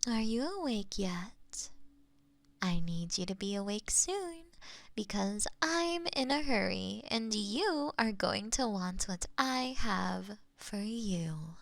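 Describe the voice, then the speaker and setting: A woman playing a doting, playful cat owner in an intimate ASMR roleplay, cooing and gently coaxing as if to a pet, close on a binaural microphone. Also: mid-range voice, lively intonation, takes it slowly, creaky, no echo. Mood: tender, coaxing. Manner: cooing, teasing baby talk to a pet.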